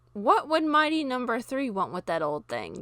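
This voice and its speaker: This woman puts on a character voice, pitched high with very wide swings in pitch. Her pace is moderate. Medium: read story. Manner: tired, resigned.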